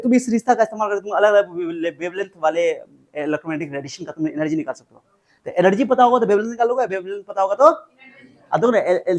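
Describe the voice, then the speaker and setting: A man tutoring chemistry, mixing in English terms, repeating formulas and scolding his student. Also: sits high. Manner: mixes Hindi with English terms. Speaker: chemistry teacher. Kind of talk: informal tutoring lesson.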